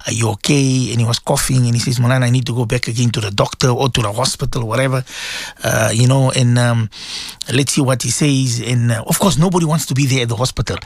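A man's voice: medium pitch, fairly even intonation, quick pace, dry recording, clean studio sound. A middle-aged man hosting a religious radio show, talking to listeners in an emotional, pleading way and often repeating himself.

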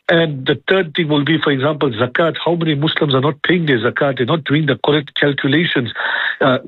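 A man's voice: on the high side, slightly rough, no room sound. A man giving a religious lecture as a preacher, repeating himself, listing point after point and asking rhetorical questions. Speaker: Islamic preacher. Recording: tinny phone-like radio line.

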